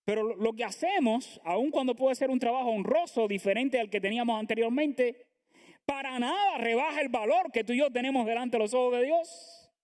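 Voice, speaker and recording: A man's voice: very high voice, brisk. A man preaching a sermon to a congregation as pastor, earnest and full of rhetorical questions. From Latin America. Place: church sanctuary.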